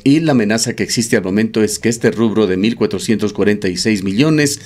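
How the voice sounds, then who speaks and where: A man hosting a radio news program, interviewing a guest and reading a measured report with occasional fillers. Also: fairly low pitch, darkish tone. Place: radio studio.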